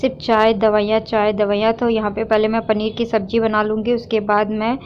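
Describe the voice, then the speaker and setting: A woman's voice: medium pitch, little pitch movement, a little fast, dull audio, a little hiss or hum. A young woman vlogging from her home kitchen as she cooks, unwell and weak, chatting to viewers and then venting at online trolls. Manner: talks to viewers while doing chores, then vents against trolls. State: unwell and weak, neck pain. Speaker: village vlogger. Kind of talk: casual home vlog while cooking.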